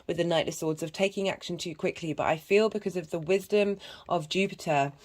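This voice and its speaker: A woman with a husky voice and a cough, giving a rambling casual tarot and astrology reading full of fillers and restarts. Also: on the low side, a little fast, a little mellow. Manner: meandering, many fillers and restarts. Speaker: tarot reader.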